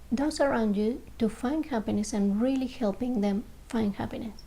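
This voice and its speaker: A woman guiding a meditation in a slow, gentle voice, pausing between short phrases. Her voice sits a little high but sounds warm and mellow. It has a gravelly, fry-touched edge, and at times she drops to a soft near-whisper. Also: low-quality recording. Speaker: meditation guide. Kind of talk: guided meditation.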